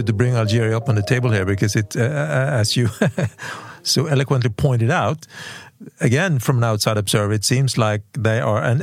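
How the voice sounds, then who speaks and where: Man, discussion moderator, creaky voice, dry close sound, halting, repetitive phrasing. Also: medium pitch, no room sound. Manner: halting, repeats words as he forms questions. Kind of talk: conversational panel moderation.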